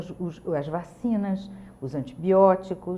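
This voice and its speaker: A very slow, medium-pitched female voice, dark and mellow in tone, with lively intonation. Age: 60s. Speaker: journalist and author. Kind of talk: interview.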